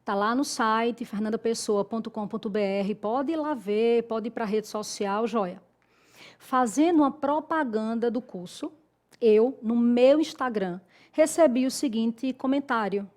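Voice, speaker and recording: A woman's voice: fairly high pitch, measured pace, darkish tone. A woman with a Northeastern Brazilian accent teaching an online grammar lesson, talking emphatically and addressing her students directly. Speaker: Portuguese teacher.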